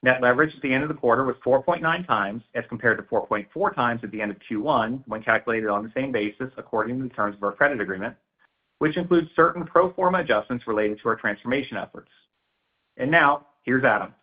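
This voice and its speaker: A man's voice: medium pitch, fast. A man working as a finance executive reads a scripted earnings report on a conference call. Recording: slightly dull conference-call audio.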